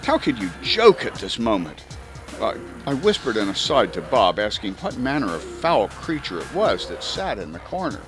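A man narrates a spy audiobook with theatrical emphasis. His fairly low voice swings widely in pitch, and faint music plays behind him. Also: huge pitch swings, moderate pace. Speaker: audiobook reader. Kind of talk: dramatic first-person spy story narration.

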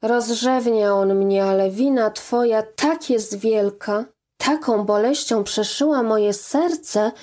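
A woman's voice: on the high side, darkish tone. A woman reading a stern, reproachful mother. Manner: grave, reproachful and measured. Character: stern but loving mother of a household.

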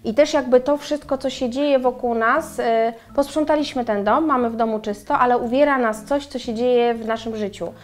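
Brief: middle-aged woman, co-host, animated and chatty, talks to viewers, slightly high voice, lapel mic. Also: normal speed, hardly any pauses. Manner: animated, gesturing, addresses viewers directly. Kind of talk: casual chat. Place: bright room with flowers and windows.

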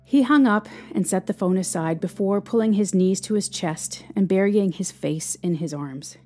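A woman narrating a scripted audio drama in a measured, expressive, somber manner. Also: medium pitch. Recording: music under the voice. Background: instrumental music.

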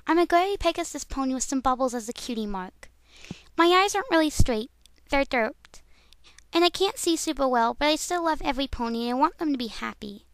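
A woman's voice: sits high, lively intonation, a little fast, no echo. A woman voicing a sweet, clumsy female cartoon pegasus pony in a simple, earnest, childlike manner.

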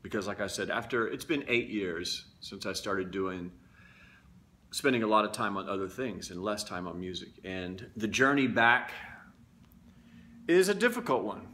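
A man's voice: lowish voice, animated, moderate pace, sharp tone, a little hiss or hum. A man talking casually and candidly to his viewers, reflective and confessional. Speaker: vlogger. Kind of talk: casual talk to camera.

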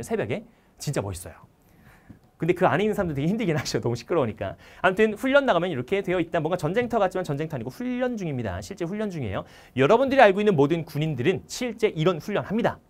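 A man, a history instructor, telling animated stories and acting out the dialogue. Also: high-pitched. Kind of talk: anecdotal storytelling talk.

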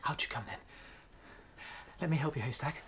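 A man's voice: on the high side, fairly quick, noisy background, natural voice. A British man playing a kindly male rabbit leader, commanding and reassuring, in a radio drama. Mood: hushed, purposeful.

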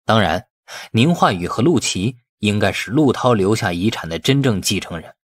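A man reads a novel as an audiobook narrator. His voice is fairly low and husky, with lively movement in his intonation. It is a scripted, storytelling delivery. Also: moderate pace, dry recording, clean studio sound.

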